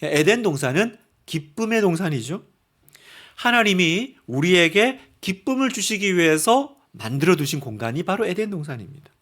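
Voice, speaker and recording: A male pastor delivers a sermon in an animated way, throwing rhetorical questions at his congregation. His voice sits high and swings widely in pitch.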